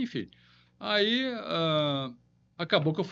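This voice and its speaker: A man is speaking here. The pitch of his voice swings very widely. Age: 60s. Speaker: neurosurgeon. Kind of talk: casual interview.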